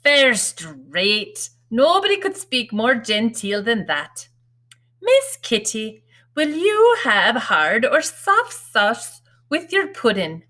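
Woman acting a bossy, fussing storybook mother, slow and high. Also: sing-song, pushed and bright, heavily acted. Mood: strict, drilling. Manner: scolding, folksy ungrammatical speech. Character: bossy, fussing, proud working-class mother drilling her children.

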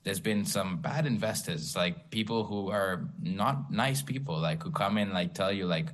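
Deep-voiced tech founder. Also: male voice, a little slow. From Tanzania. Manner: candid, storytelling, self-deprecating humor. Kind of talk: panel talk.

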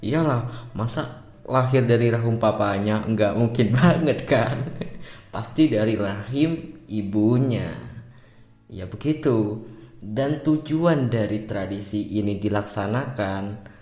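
A man's voice: on the low side, slow, pauses often, darkish tone. A man with a Javanese accent and a slight Madurese lilt, hosting a casual podcast monologue. He talks in a chatty, joking way and often asks himself questions and answers them. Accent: Javanese with Madurese touches. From Java. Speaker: podcast host. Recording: roomy echo with faint music behind.

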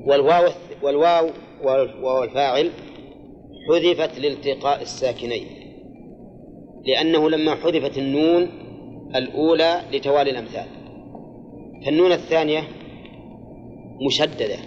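An older man teaches a grammar and exegesis class, explaining step by step, repeating key phrases, and quizzing his students. His voice is a little high with a darkish tone, fairly quick with frequent pauses, and the audio sounds dull.

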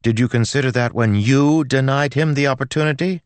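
Male narrator as a teenage girl, high voice, swooping intonation, stubborn, dramatic, storybook character. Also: expressive, normal speed, dry recording, natural voice. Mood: indignant, loud. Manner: loud, insistent, dramatic. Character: stubborn, outspoken teenage girl, theatrical and righteous.

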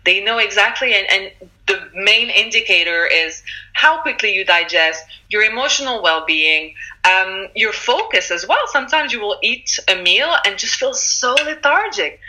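A woman's voice: normal speed, low-quality recording. A woman from Morocco, an author speaking earnestly and encouragingly in a casual interview. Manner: earnest and encouraging, animated rises in pitch. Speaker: author and guest.

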